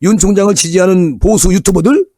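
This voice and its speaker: A man giving a casual solo political commentary, animated and chatty, sometimes dropping into low muttered asides. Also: fairly quick, no echo, clean studio sound. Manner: animated, acts out crowd chants in raised voice.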